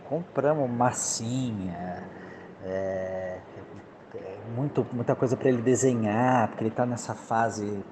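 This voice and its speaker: A man with a Brazilian accent giving casual testimony as an interviewed father, halting and repeating himself for emphasis. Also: on the low side. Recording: clearly noisy background ambience.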